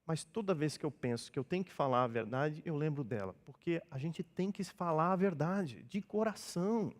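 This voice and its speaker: A man's voice: fairly high pitch, lively intonation, moderate pace. A man from Brazil, a pastor, preaching a sermon in a conversational way and acting out little dialogues. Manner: conversational preaching, acts out dialogues in changed voices. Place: church hall. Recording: long church reverb.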